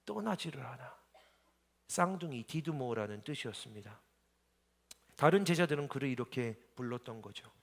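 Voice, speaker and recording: A man in his thirties, a pastor preaching a sermon in a church hall, moving from quiet storytelling into impassioned pleading cries. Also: mid-range voice, animated, normal speed, creaky, pauses often.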